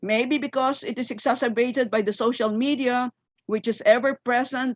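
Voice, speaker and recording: Her intonation fairly level, a woman talks rather quickly. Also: dry, close sound with no echo. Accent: Filipino. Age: 70s. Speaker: political science professor, forum panelist. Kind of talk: panel discussion. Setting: online forum.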